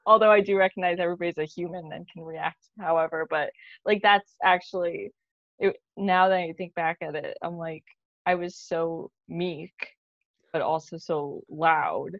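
A woman's voice: on the low side, steady tone, normal speed, dry recording. A woman in her thirties chatting candidly and informally as a guest on a video call, with a self-deprecating manner. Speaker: playwright guest. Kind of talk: casual, candid roundtable chat. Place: bright living room at home. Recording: slightly dull video-call audio.

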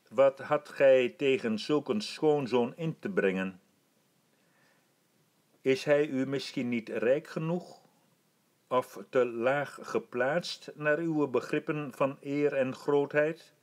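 Stately old emperor, gracious and commanding, very unhurried; a man doing the voice. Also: mid-range voice, natural voice. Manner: stately, measured and formal. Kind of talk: audiobook reading.

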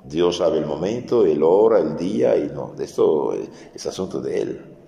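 A man, a priest, giving a catechism lesson for adults and explaining slowly, often repeating his key phrases. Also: extremely low pitch, big pitch swings, creaky, dark tone. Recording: echoey hall with long reverb.

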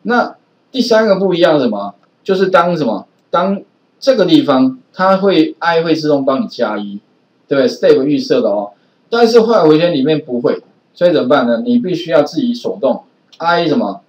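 A man's voice: on the high side, big pitch swings, normal speed, a little mellow. Man, Taiwanese Mandarin accent, programming teacher, chatty lecture, distant dull roomy audio. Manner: chatty, frequent filler particles. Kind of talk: recorded classroom lecture.

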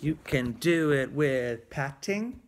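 A male music teacher talks gently and encouragingly to young children at home, often slowing down to count out beats. His voice sits fairly high. There is a faint hiss in the recording. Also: expressive. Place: at home on a bed.

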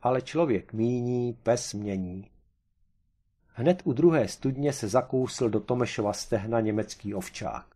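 A man's voice: medium pitch, mellow. A man narrating a humorous short story as an audiobook, in a dry, matter-of-fact manner.

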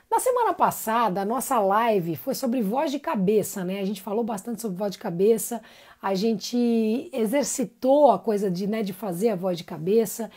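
A woman's voice: medium pitch, dark tone. A woman giving a live-streamed singing lesson, chatty and encouraging, greeting viewers by name between explanations. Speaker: singing teacher.

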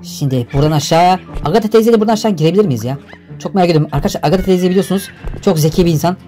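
Fast excitable gaming commentator man. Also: high voice, soft background music. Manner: energetic, exclamatory, slangy. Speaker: gaming YouTuber.

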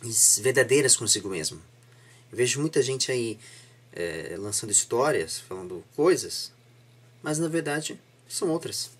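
A young man with a Brazilian accent and a slightly husky voice, chatting reflectively as an interviewer, repeating and rephrasing himself earnestly. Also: medium pitch, lively intonation, measured pace, fairly bright tone. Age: young adult. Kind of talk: casual reflective interview chat. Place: small home room indoors, seated on a sofa.

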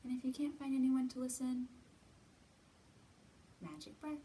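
A woman in her thirties gently guiding young children through a lesson, asking simple encouraging questions and pausing often. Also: sits high, flat delivery. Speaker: children's storytime host. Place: indoor library room with bookshelves. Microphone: camera a few feet away. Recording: distant mic, roomy ambient noise.

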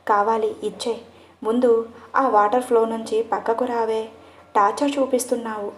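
Fond, exasperated young husband, read by a woman, fairly high voice, echoey room. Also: steady tone, moderate pace, close to an everyday voice. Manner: mildly exasperated, affectionate.

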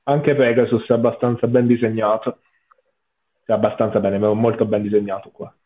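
A man's voice: on the low side, flat delivery, fairly quick. A man giving casual live commentary as a panelist on an anime watch-along, often repeating phrases for emphasis. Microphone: video call. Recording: muffled narrow-band video call audio.

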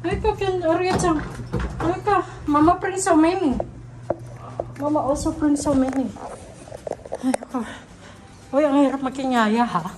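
A woman's voice: high voice, moderate pace, long pauses. A Filipino woman chatting casually in an exclamatory, playful way, with a Filipino accent and Tagalog as her first language. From Philippines. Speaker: vlogger. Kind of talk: casual family vlog chat. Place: indoors in a hotel lobby, corridors and room. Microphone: handheld phone. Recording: handheld phone recording with slight background noise.

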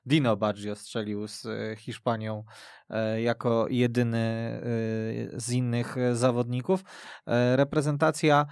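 A man's voice: mid-range voice, flat delivery, slow pace, creaky, clear, resonant tone, no room sound. Man, radio football host, mid-range voice, stop-start phrasing, dry close studio sound. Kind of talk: moderating a football discussion.

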